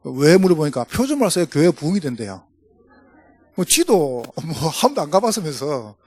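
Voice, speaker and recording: Animated Gyeongsang-accented pastor, husky voice. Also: male voice, a little high, moderate pace, no echo. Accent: Gyeongsang Korean. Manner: storytelling, jokey, animated. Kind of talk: humorous sermon to pastors. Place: church.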